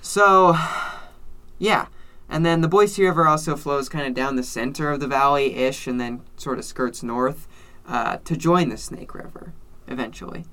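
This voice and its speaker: A man's voice: mid-range voice, a little slow, pushed and bright. A young man from Idaho co-hosting a podcast, rambling through explanations with a sarcastic edge. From Idaho, United States. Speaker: podcast co-host. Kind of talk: casual podcast chat.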